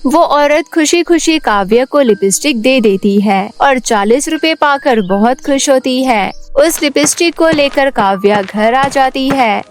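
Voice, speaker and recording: A woman's voice: high-pitched, expressive, measured pace, hardly any pauses, soft background music. A woman doing scripted narration of a children's cartoon story as its storyteller.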